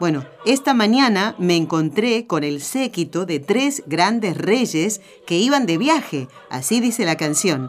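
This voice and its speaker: A woman's medium-pitched voice at a fairly slow pace, with very wide pitch swings over noticeable background noise. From Argentina. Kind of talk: religious radio talk; interviewing children.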